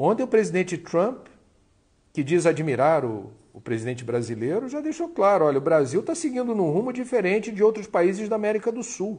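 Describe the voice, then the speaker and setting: Pitched high, a man's voice moves through very wide pitch swings and big swings in loudness. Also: fairly quick pace. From Brazil, Rio de Janeiro. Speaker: journalist and live-stream host. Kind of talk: live-stream commentary. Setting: home live stream.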